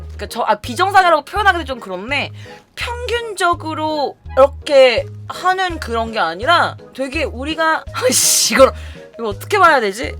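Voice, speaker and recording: A woman vlogger telling a story in casual chat, animated and laughing often as she acts out what people said. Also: sits high. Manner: animated, laughing often, acting out quoted lines.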